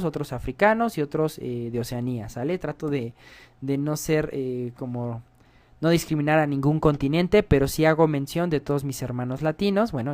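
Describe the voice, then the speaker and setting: A man's voice: fairly high pitch, a little mellow. Male coding instructor, patient step-by-step screencast narration. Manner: explanatory, often checks in with the viewers. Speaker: programming instructor.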